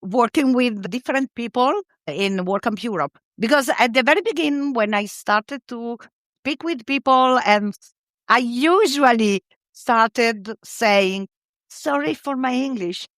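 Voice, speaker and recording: A middle-aged woman from Italy, speaking English with an Italian accent as a podcast guest. She talks in a halting way, searching for words. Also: on the high side, fairly bright tone, no room sound. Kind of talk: casual interview conversation.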